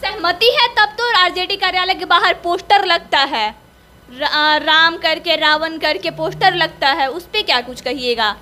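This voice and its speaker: Female interviewer, very high, bright, persistent questioner. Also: measured pace. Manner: probing, pressing follow-up questions. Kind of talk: political interview.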